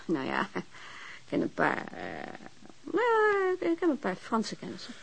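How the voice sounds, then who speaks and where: A vain, flirty female telephone operator in a radio drama. Her voice is very animated, with big swoops in pitch. She is chatty, playful and openly teasing. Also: unhurried, creaky, slightly rough, heavily acted. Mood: chatty, musing.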